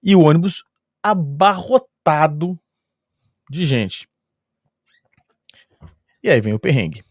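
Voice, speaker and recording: A man with a Brazilian Portuguese accent, his voice sitting a little higher than most men's, tells a travel story in relaxed conversation. He is lively, chuckles often and fills gaps with sound-effect words. The recording is dry and close, with no room echo. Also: takes it slowly, pauses often. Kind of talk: casual spoken storytelling.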